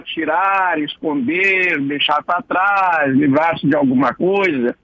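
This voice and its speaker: Male radio columnist, husky and gravelly, chatty digressive lecturer on a dull lo-fi broadcast line. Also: fairly high pitch, fairly bright tone, dry recording. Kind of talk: casual explanatory radio column.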